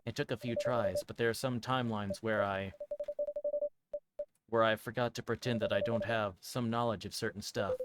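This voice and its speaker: A man streaming a playthrough of a visual novel, reading dialogue aloud and commenting casually in a hesitant, halting way. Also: on the low side, fairly even intonation, heavy background noise. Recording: music behind the voice. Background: guitar music from the game.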